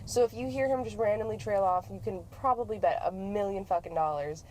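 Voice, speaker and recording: A woman hosting a casual podcast chat from a moving car, animated and swearing freely. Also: mid-range voice, brisk, rough recording. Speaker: podcast host. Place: inside a car being driven. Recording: clear car and road noise. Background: car ambience and road noise.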